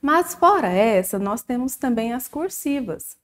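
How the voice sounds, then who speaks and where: Brazilian woman, children's teacher, lively pitch, unhurried sing-song delivery. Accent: Brazilian Portuguese. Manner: slow, sing-song, drawn-out syllables for young pupils. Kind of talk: recorded children's lesson.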